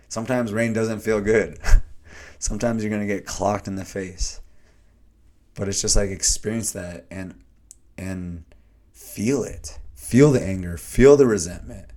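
A man hosting a solo podcast, talking earnestly and a little hoarsely, often restarting his sentences. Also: deep voice, a little mellow. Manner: earnest, searching, with many restarts and fillers. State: slightly hoarse. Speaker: podcast host. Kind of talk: reflective solo podcast monologue.

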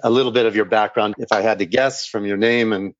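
Inquisitive interview host, lowish voice. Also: male voice, fairly even intonation, quick pace, muffled recording. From Switzerland. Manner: conversational, inquisitive. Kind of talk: interview questions.

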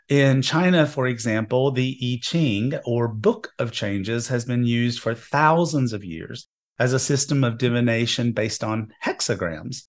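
A man hosting a spiritual talk show, chatting casually with wry asides and sounding slightly hoarse from a cold. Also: medium pitch. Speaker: host. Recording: internet radio show.

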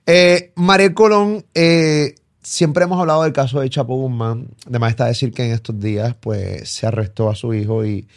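A man from Puerto Rico with a Puerto Rican Spanish accent hosts a loose interview. He talks freely, circling back on his words and throwing in exclamations, at an average pitch for a man. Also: normal speed, few pauses. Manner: talkative, many fillers and restarts, exclamations. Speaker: radio and online show host. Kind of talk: casual interview.

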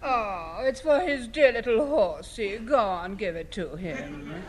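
A woman's voice: medium pitch, lively intonation, a little slow, natural voice. An actress playing a sardonic, dry-witted woman of the household in a 1950s radio sitcom. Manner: dry and mocking.

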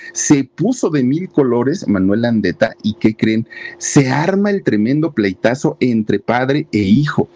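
Chatty low-voiced man telling a story. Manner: chatty, animated, acts out quoted voices. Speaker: storyteller host. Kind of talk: casual storytelling. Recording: dull lo-fi sound.

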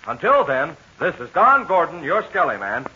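A man's voice: on the high side, wildly swooping pitch, normal speed, pushed and bright, a little hiss or hum. An American man announcing in scripted 1940s radio style, with an emphatic, chummy salesman's delivery. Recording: dull 1940s radio recording.

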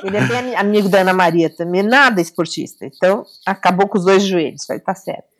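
A woman's voice: mid-range voice, fast talker. A middle-aged woman, a guest telling a personal story casually and acting out the dialogue. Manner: animated, acts out quoted dialogue.

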